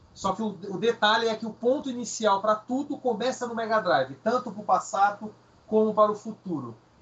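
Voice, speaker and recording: This man has a high voice with ordinary pitch movement and talks at a fairly quick pace. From São Paulo, Brazil. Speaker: podcast co-host. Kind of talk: casual chat.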